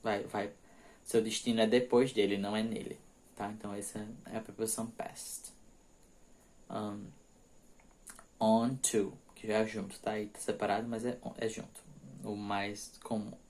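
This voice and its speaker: A man teaching English prepositions, reading example sentences slowly and explaining them quickly, often checking in with "ok?". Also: lowish voice, a little mellow. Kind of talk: bilingual grammar lesson.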